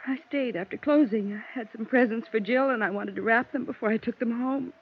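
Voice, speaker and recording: A woman's voice: on the high side, fairly quick, a little hiss or hum, close to an everyday voice. A woman playing a frightened young mother. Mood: shaken. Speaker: witness. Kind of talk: 1950s radio drama acting. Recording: dull old radio broadcast.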